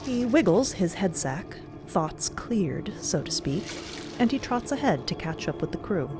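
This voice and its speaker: A woman's voice: on the low side, sing-song, unhurried. A woman narrating a scripted drama podcast in a theatrical storytelling style. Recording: loud music under the voice. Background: music.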